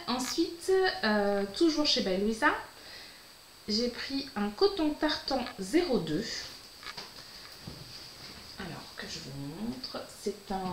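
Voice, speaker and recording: An upbeat woman chats through a casual fabric unboxing vlog at home. Her voice sits in the middle of the usual range. The room gives it a noticeable echo, and a faint hiss runs underneath. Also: medium pitch. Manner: bubbly and enthusiastic, often says she is delighted. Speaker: sewing vlogger and host. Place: at home, filming at night.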